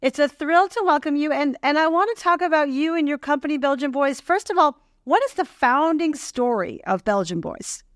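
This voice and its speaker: A woman's voice: high voice, animated, normal speed, hardly any pauses, dry recording, studio quality. A woman hosting a podcast, enthusiastic as she introduces her guest and asks questions. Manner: upbeat, enthusiastic. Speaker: podcast host and executive coach. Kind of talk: scripted intro and interview questions.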